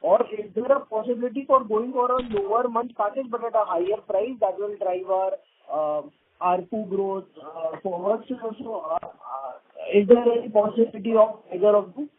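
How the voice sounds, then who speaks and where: A woman's voice: mid-range voice, normal speed. A woman asking questions as a caller, polite, wordy and hesitant. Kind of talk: unscripted question on earnings call. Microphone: telephone conference call. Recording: narrow phone line.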